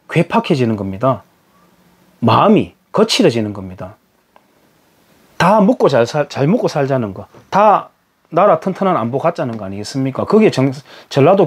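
A man's voice: a little high, a little mellow. A man gives solo spoken commentary in an emphatic, lecturing way, full of rhetorical questions.

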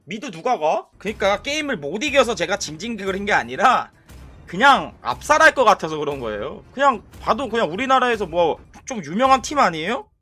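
A young man giving casual, excitable commentary over his own mobile game, trash-talking and narrating his plays. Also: high-pitched, fairly quick, faint music behind. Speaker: gaming YouTuber.

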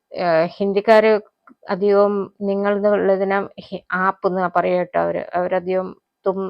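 Woman, language teacher who repeats phrases slowly, gravelly voice, dull dry recording. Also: medium pitch, dry recording. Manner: repeats each phrase slowly, then explains. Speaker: Hindi teacher. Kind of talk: spoken language lesson.

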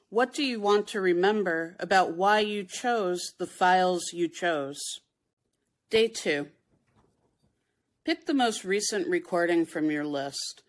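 A woman, a poet, reads written instructions aloud in a deliberate, instructive manner. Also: mid-range voice.

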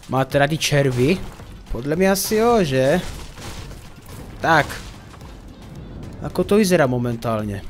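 A man chatting playfully over his gameplay, addressing his viewers as friends. His voice sits somewhat high and swings widely in pitch. Faint game music plays underneath. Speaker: gaming YouTuber. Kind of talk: casual gameplay commentary.

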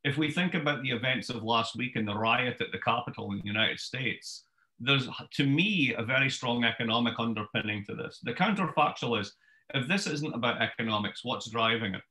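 A Scottish man in his fifties speaks with a bright, forceful tone. He tells his story in a brisk, wry way, like a lecturer talking from his home study. The sound comes through a webcam on a video call. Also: medium pitch, poor audio. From Scotland. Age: 50s. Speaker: author giving a book talk. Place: home study with bookshelves, indoors.

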